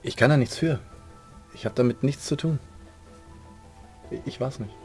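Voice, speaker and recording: A man's voice: mid-range voice, normal speed, over music, close to an everyday voice. A man playing a nervous dentist on the run, who rambles hesitantly and protests his innocence. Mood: defensive. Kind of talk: in-character roleplay.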